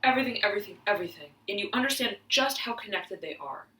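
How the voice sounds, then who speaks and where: A slightly hoarse woman reads tarot cards in a bright, forward voice, often clearing her throat. Her talk wanders through fillers and restarts. She sounds a little off-mic in an echoey room. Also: medium pitch, expressive, quick pace, distant mic. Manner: meandering, many fillers and restarts; keeps repeating "I'm hearing". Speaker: tarot reader. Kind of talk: spiritual reading to camera.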